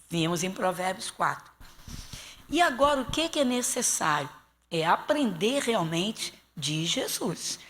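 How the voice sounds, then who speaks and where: A woman pastor from Brazil with a Rio de Janeiro accent, teaching a Bible class in an animated preaching manner and slowing down to read scripture aloud. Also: on the high side. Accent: Rio de Janeiro Portuguese. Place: church hall. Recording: long hall reverb.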